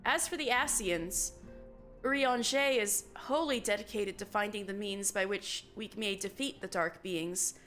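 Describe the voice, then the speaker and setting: A woman reading the part of a calm, formal woman leader, in a measured, formal manner. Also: medium pitch, soft background music, lightly acted. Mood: grave counsel.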